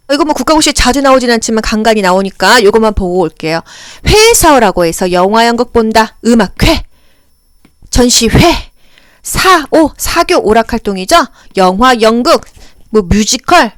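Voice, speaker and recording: A woman's voice: fairly high pitch, clear, resonant tone, dry recording, clean studio sound. A woman giving an exam-prep lecture for care workers, acting out short dialogues and sound effects to make her points. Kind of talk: audio lecture with acted examples.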